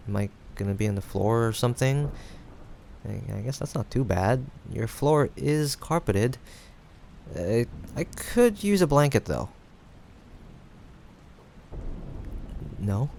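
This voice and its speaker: Guy playing an affectionate awkward young friend, slow n crackly voice, halting, roleplay style, bit of rainy noise behind. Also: mid-range voice, creaky. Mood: awkward, accommodating. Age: young adult. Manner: halting, hesitant, with sighs and soft chuckles. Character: teasing, affectionate young male friend, awkward but caring. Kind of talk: improvised intimate audio roleplay addressed to the listener. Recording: steady background noise, rain ambience. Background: rain sound effects.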